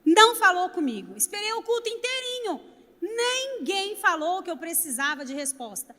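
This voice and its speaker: A woman's voice: extremely high pitch, normal speed. A woman pastor preaching a sermon, telling stories and talking straight to the congregation. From Brazil. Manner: animated storytelling preacher, addresses congregation directly. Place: church sanctuary. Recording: long reverb of a church hall.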